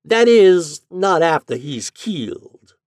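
Guy doing a cool drawling old landlady, high and slow, very dry sound. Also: very animated, no room sound.

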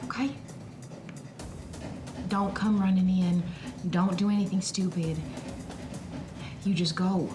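A woman playing a tabletop game who speaks her character's lines softly, almost whispering. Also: fairly low pitch, fairly even intonation, slow pace, long pauses, music in the background. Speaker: player. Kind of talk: casual tabletop game chat.

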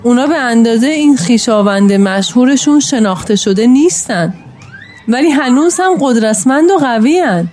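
A man's voice: very high voice, expressive, darkish tone, soft background music, voice pushed up. A man voicing a female schoolteacher who leads her class with a firm, solemn manner. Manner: solemn speechmaking.

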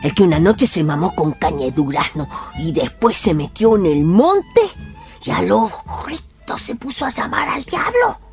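An actress playing a boastful older Argentine village healer in radio theatre, telling tall tales in colloquial, theatrical, drawn-out phrases. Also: female voice, fairly low pitch, very animated, over music. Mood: gossipy, teasing.

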